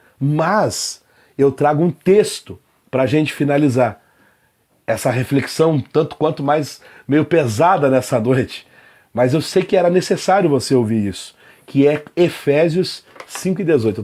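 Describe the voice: Putting on a character voice, a man speaks at a moderate pace with a fairly high pitch, a hoarse and strained sound, lively intonation, and long, frequent pauses.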